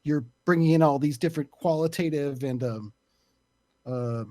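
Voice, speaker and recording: A man in a casual panel discussion, speaking in a halting, thoughtful and opinionated way. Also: fairly high pitch, dark tone, dry recording. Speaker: podcast panelist.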